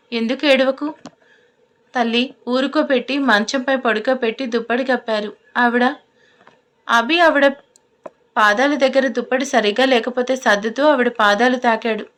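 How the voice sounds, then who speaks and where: A woman narrating a scripted audio love story in a steady read-aloud manner. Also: on the high side.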